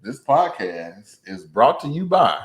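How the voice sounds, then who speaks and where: A man's voice: medium pitch, very animated, takes it slowly. A man co-hosting a podcast in casual chat, easygoing, laughing often and repeating his phrases. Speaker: podcast co-host.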